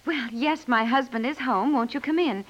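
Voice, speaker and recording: Woman playing an American suburban wife, fairly high voice, chatty, polite, a bit hesitant; dull vintage radio comedy recording. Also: moderate pace, over music, lightly acted. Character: chatty, polite, slightly scattered suburban housewife. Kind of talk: 1950s radio comedy acting.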